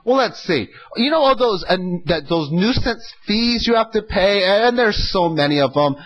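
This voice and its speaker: High-pitched man giving opinionated commentary. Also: expressive, normal speed, lo-fi sound. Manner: opinionated, emphatic, asks rhetorical questions and answers them. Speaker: host of an economic audio log. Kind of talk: informal opinion commentary on economic news.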